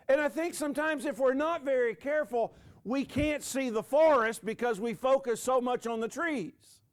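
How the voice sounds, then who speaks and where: Man in his sixties, preacher, sermon, high voice, slow deliberate pace, sinks low on key words. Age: 60s. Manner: dramatic pauses, voice dropping low on key words; jokes with the audience.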